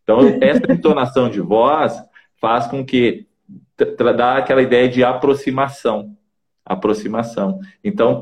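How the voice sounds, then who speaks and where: A man's voice: mid-range voice, darkish tone. Didactic Brazilian man giving tips. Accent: Brazilian Portuguese. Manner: didactic, peppers speech with "tá?" and "né?". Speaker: communication coach guest. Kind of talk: casual advice talk in an online interview.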